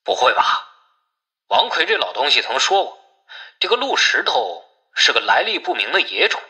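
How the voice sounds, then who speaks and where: A man's voice: mid-range voice, big pitch swings, normal speed, sharp tone. A man voicing a grumbling, superstitious village man in an audiobook, exclaiming and reluctant, through a telephone effect. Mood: doubtful.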